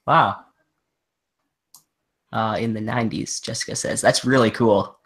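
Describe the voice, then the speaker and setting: A man's voice: fairly low pitch, steady tone, measured pace, a bit bright. Enthusiastic man guesting on a book chat. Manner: enthusiastic, keeps saying it'd be amazing. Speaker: guest booktuber. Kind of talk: casual live-stream book chat.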